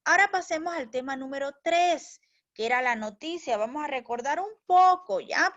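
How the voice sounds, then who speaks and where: A woman's voice: high-pitched, a bit bright, highs cut off. A woman teaching a recorded language lesson for children. She explains step by step, speaks to the pupils fondly and keeps checking that they follow. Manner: patient, explains step by step, calls pupils "mis niños", checks with "¿ya?". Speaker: primary school teacher.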